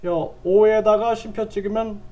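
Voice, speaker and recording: An older man teaching a language lesson, patiently repeating phrases and dropping his voice low on side remarks. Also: steady tone, normal speed, dull audio. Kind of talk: lecture with repeated drills.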